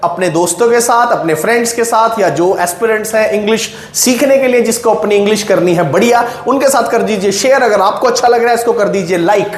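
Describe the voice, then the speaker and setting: A man teaching English grammar in a classroom with an Indian accent. He explains slowly and keeps checking in with his students. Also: high-pitched. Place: classroom with a whiteboard. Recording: echoey room with faint noise.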